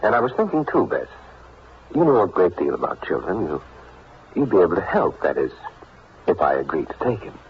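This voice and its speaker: An actor playing an earnest, troubled gentleman, a fond fiancé and uncle, in a radio soap, courteous and hesitant. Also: low voice, very animated, brisk, long pauses. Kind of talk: 1940s radio soap acting. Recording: muffled, noisy old radio recording.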